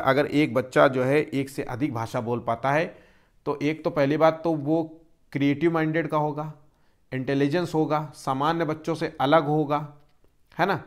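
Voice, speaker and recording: Male teacher with a somewhat high voice, running a patient exam-prep lecture that asks and answers its own questions.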